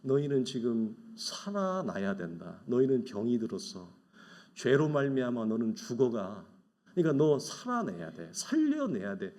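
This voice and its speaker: A man's voice: mid-range voice, big pitch swings, normal speed, a little mellow. A middle-aged man preaching a Sunday sermon as pastor, talking conversationally, asking rhetorical questions and acting out the voices of the people he describes. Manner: acts out quoted voices of envious people.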